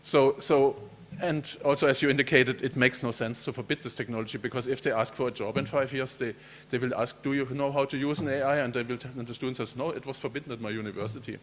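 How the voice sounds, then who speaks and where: Chatty professor giving keynote. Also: male voice, medium pitch, steady tone, quick pace, few pauses, slight background noise. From Germany. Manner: friendly, chatty, repeats words while speaking. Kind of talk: keynote lecture.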